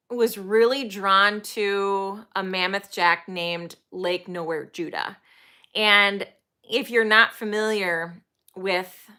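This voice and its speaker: Forty-something woman vlogging, bright voice, chatty and rambly, lots of ums. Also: mid-range voice. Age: 40s. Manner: enthusiastic, emphatic. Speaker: horse trainer and channel host. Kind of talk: casual vlog talk to camera.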